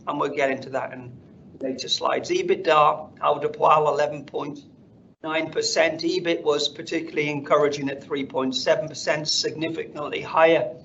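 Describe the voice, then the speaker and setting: A man presenting company results on an earnings call in a measured, businesslike manner. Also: gravelly, fairly bright tone. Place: conference call. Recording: dull, noisy conference line with rumble.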